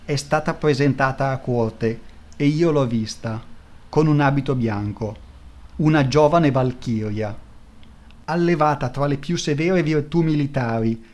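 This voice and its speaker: A man reading aloud as a courtly, persuasive male court painter who speaks slowly and flatteringly. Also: mid-range voice, lightly acted. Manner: slow, smooth and flattering.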